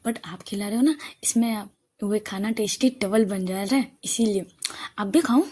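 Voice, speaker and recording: A woman's voice: mid-range voice, normal speed, warm tone, breathy edge, close to an everyday voice. A woman doing a whiny, pouty young student. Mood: pouty pleading. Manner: whiny, pleading, teasing.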